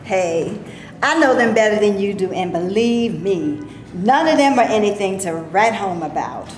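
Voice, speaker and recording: A woman playing a sharp-tongued, scornful black actress in a staged reading before a live audience, in a very echoey room with faint noise. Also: mid-range voice, lively intonation, unhurried, lightly acted.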